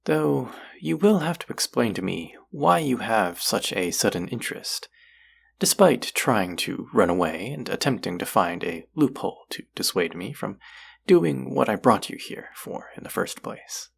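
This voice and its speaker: Man as a very deep, gravelly, possessive demon. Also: animated, full character voice. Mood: wry, probing. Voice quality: low, husky, gravelly. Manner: slow, teasing, menacing, often dropping to a whisper. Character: possessive, seductive demon who craves human hearts. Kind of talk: intimate scripted audio roleplay.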